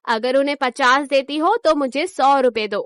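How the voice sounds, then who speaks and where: A woman's voice: sits high, normal speed, a bit bright, no room sound, clean studio sound. A woman voicing a proud, greedy village woman in a cartoon story, who talks in a boastful, indignant way. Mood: demanding.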